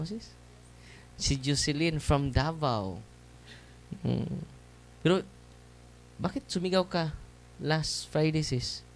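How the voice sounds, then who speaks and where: A man's voice: on the high side, gravelly, darkish tone, a little hiss or hum. A man, a Catholic priest, giving a conversational testimony sermon to a seated audience, often tossing tag questions back at them. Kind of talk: preaching testimony to a live audience. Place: church or hall with seated audience.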